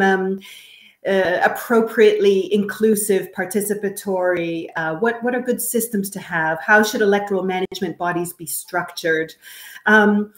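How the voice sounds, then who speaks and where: A woman from Canada speaking as an expert guest, giving measured, careful explanations in an interview. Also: medium pitch, fairly bright tone. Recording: roomy, echoey sound.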